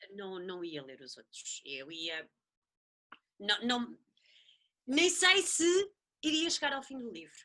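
Her pitch fairly high and swinging very widely, a woman speaks in a bright, sharp tone at a very slow pace, with big swings in loudness and long, frequent pauses. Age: 30s. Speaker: book blogger. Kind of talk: casual chat. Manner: halting.

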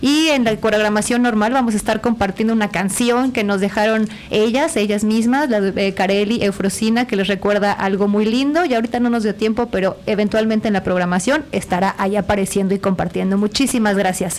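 A woman with a fairly high pitch speaks fairly quickly, with hardly any pauses and ordinary pitch variation. Her loudness stays very even, and background noise is noticeable. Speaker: radio co-host. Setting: radio studio.

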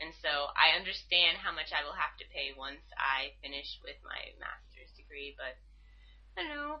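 Loudness swings widely while the speaker holds a moderate pace. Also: woman. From US Northeast, Long Island, New York. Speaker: master's student. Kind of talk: casual interview.

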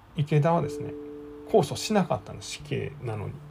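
Behind the speech, music is playing. The man's pace is moderate. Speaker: true crime podcaster. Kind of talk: casual solo narration. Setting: home recording in own room. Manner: filler-heavy, hesitant.

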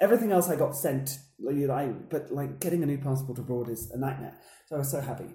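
With a dark, mellow tone, a man speaks fairly quickly at a fairly high pitch, somewhat breathy, with ordinary pitch variation. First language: Spanish. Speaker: podcast co-host. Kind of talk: casual comedic banter. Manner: animated, joking.

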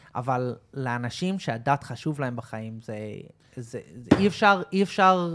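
Pausing long and often at a fairly slow pace, a man with an American accent speaks at a fairly high pitch with lively intonation, in a very clean recording with a silent background. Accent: American accent in Hebrew. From Israel (Rehovot), born in Los Angeles. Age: 30s. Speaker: podcast guest. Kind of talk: casual chat.

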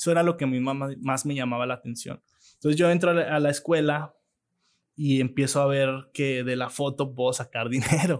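On a very clean recording with a silent background, a man with a Mexican accent speaks at a fairly high pitch with fairly even intonation. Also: moderate pace. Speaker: content creator and producer. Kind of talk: casual interview.

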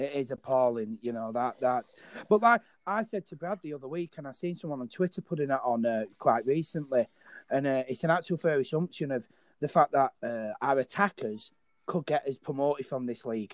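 An ordinary speaking voice from a man, fairly high in pitch with lively intonation, moves at a fairly quick pace in a dry, close sound with no echo. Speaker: podcast co-host, football fan. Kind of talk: casual chat.

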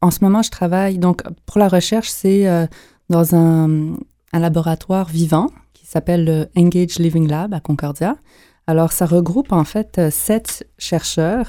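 A woman with a fairly low pitch and a dark, mellow tone speaks at a fairly slow pace, with ordinary pitch variation and big swings in loudness, in a very clean recording with a silent background. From Montreal, Quebec. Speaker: art therapist and researcher. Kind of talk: radio interview.

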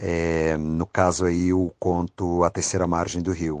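A man's very deep, low pitch in monotone, flat intonation, at a fairly slow pace, with a dry, close sound with no echo and a quiet background. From Tocantins, Brazil. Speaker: actor. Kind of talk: interview.

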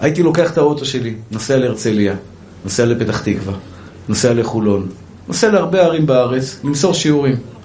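Audible room echo and noticeable background noise throughout. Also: man, medium pitch for a man, lively intonation, fairly quick pace. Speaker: rabbi giving Torah lectures. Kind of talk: religious lecture. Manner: animated.

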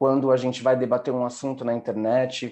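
A man's dark, mellow voice at medium pitch with monotone, flat intonation, against a quiet background. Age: 30s. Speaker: singer-songwriter. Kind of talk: casual interview chat.

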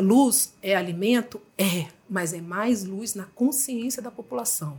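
The woman's intonation is lively. Her voice comes across somewhat breathy. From Brazil, Federal District (Brasília). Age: 40s. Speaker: politician. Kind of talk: podcast interview.

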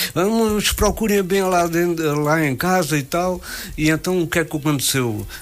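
Here a man talks with a high pitch and ordinary pitch variation. His pace is moderate. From Portugal, Pinhal Novo (Setúbal). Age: 60s. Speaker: local community activist. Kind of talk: radio interview. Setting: radio studio. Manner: halting.

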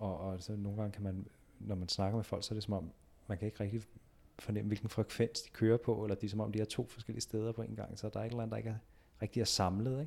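A man with a fairly low pitch and a dark, mellow tone, somewhat breathy, rushes at a very fast pace with monotone, flat intonation. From Denmark, rural. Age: 40s. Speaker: psychologist. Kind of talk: casual chat. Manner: halting, many fillers.

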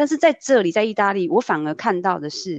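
Against a quiet background, a woman talks fairly quickly at a medium pitch with very wide pitch swings, the sound dry and close with no echo. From Taiwan. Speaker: guest sharing life experience. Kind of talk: casual chat. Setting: remote recording. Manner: hesitant with many fillers.

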